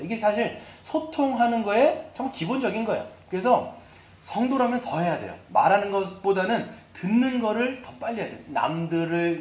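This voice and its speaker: A pastor preaches in a high, animated voice that leaps up and down as he acts out the attitudes he describes. His voice echoes around the church hall. The sermon has a warm, conversational feel. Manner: lively and animated, acting out quoted attitudes. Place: church sanctuary.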